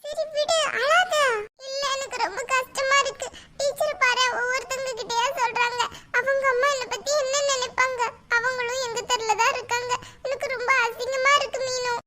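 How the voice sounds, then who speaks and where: A woman voicing a chatty schoolgirl gossiping with friends in a cartoon, with a very high, bright voice. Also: level tone, normal speed. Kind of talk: cartoon voice acting.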